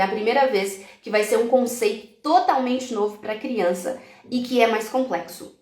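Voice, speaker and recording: A woman's voice: mid-range voice, a little mellow, echoey room. A woman teacher from Brazil giving a live-stream talk to other teachers, explaining classroom activities step by step and dropping in English example words.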